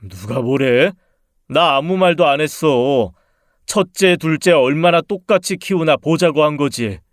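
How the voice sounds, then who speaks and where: A resentful husband, grown and accusing, voiced by a man for a radio-drama story. His voice sits a little high and comes across dry and close, with nothing around it. He needles and reproaches in a sour tone. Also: expressive, unhurried, dry recording.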